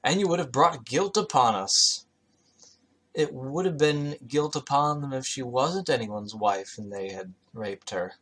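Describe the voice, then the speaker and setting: A man's voice: mid-range voice, expressive, a little slow, a bit bright, breathy edge. A man with a mid-range voice reads scripture aloud as the host of his show. His delivery is sardonic and skeptical, moving between declaimed reading and muttered, offhand commentary.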